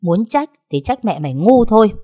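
A woman voicing a spiteful middle-aged stepmother in an audiobook story, speaking in a shrill, abusive, scornful way. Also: very animated, moderate pace, dark tone, no echo, studio quality. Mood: furious. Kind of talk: audiobook narration.

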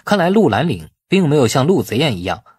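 A man reading a novel aloud as expressive scripted narration. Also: medium pitch, fast talker, slightly rough, no room sound. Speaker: audiobook narrator.

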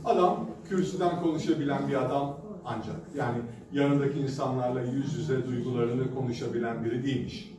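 A man's voice: mid-range voice, steady tone, a little fast, few pauses. A male pastor giving a sermon at a pulpit microphone, telling stories in a conversational way with hesitant fillers. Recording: echoey hall from a distance with background noise.

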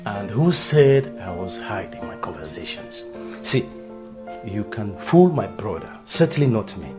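A taunting brother-in-law with a lowish voice that jumps up and down, played by a man, with music playing clearly behind him. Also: sing-song, unhurried. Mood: accusing. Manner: taunting, accusing. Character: scornful brother-in-law, mocking and hostile.

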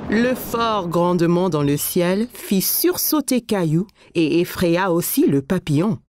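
A woman narrating a scripted children's story in a clear, expressive storytelling manner. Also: fairly low pitch, measured pace, dry recording, studio quality.

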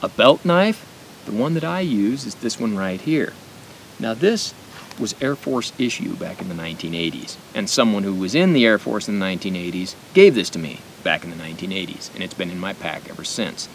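A middle-aged American man with a speech impediment, giving an informal gear demonstration with deliberate pauses. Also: lively intonation, gravelly, low-quality recording. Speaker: knife and gear reviewer. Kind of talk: informal product demonstration to camera. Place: outdoors at a picnic table in woods. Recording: outdoor noise with low rumble.

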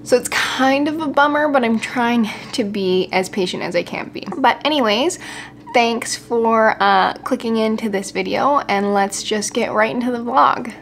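A woman's voice: on the high side, moderate pace, vocal fry, slight background noise. A woman fitness vlogger chatting casually at home, explaining what she makes as she goes. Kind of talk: casual vlog chat. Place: home kitchen.

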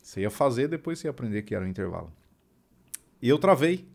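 Gravelly-voiced man telling stories. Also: mid-range voice, fast talker. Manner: animated anecdotes with laughs, acting out quoted voices. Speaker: podcast guest, trumpet player. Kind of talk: casual storytelling interview.

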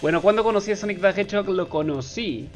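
A young Mexican man with a slightly high voice and a Mexican Spanish accent, chatting through viewer questions for his gaming channel. He reads each question in a raised, playful tone and answers loosely with fillers. Faint music plays under his voice. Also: fast. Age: 20s. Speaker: gaming YouTuber. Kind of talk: casual Q&A voice-over over gameplay.

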